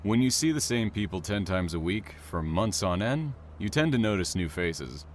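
A low-voiced man acting as a bookish, reserved train worker in an audio drama. His manner is formal and dry, with clear ambient noise behind him. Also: animated, normal speed. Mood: polite, reserved.

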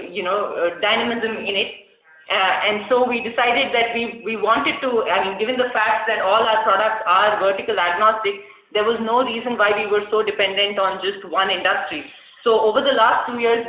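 Woman, Indian accent, company executive, muffled through a face mask, echoey conference call, dulled sound. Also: medium pitch. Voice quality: slightly muffled, speaking from behind a face mask. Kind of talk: prepared remarks on an earnings conference call.

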